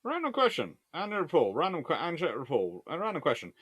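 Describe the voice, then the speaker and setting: A man's voice: on the high side, huge pitch swings, brisk, fairly bright tone, breathy edge, no echo, muffled recording. A man hosting a live history chat, answering viewers in a rambling, discursive way like a lecturer thinking aloud.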